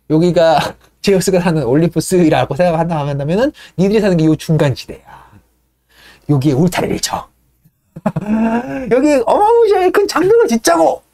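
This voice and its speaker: A woman's voice: fairly low pitch, warm tone, voice pushed down. A woman playing a brash, scheming Athenian man who hectors the birds and keeps prodding them for agreement.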